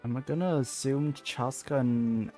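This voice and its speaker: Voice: mid-range voice, a little slow, dark tone. A game streamer musing aloud in casual commentary while playing. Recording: faint game music behind. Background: game music.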